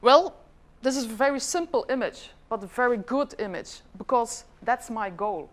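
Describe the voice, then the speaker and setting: With a slightly high voice, lively intonation and normal speed, a Dutch-native Flemish woman of middle age leads a chatty conference presentation and asks her audience questions. She is from Flanders, Belgium, and heads a government department.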